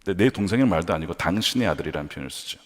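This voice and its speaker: A man preaches a sermon from the pulpit of a church, his voice swinging widely between soft low lines and loud high ones. He asks the congregation questions and acts out pleading prayers. The sound carries a long reverb from the church hall. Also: animated, rapid-fire. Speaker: pastor. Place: church sanctuary.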